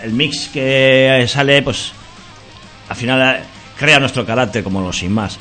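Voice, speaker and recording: A man's voice: mid-range voice, a little slow, pushed and bright, soft background music. A man, a band member answering interview questions in a rambling, hesitant way. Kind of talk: casual interview.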